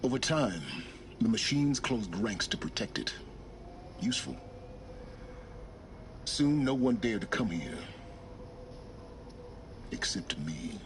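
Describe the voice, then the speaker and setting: An actor playing a cold, calculating man who speaks in a measured, solemn way. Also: lowish voice, big pitch swings. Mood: grave. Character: grim ancient male schemer, cold and calculating. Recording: game audio under faint hiss.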